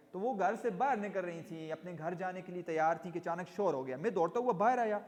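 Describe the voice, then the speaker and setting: A man's voice: sits high, darkish tone. A male teacher reading a story aloud and explaining it line by line, glossing hard words as he goes. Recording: long reverb in an echoey room.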